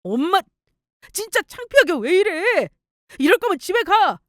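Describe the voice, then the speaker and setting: A frustrated young husband argues back at his mother, defensive and exasperated, as a woman reading a story radio drama puts him on. The voice is lively in its pitch. The sound is dry and close to the mic. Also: unhurried, no room sound, heavily acted.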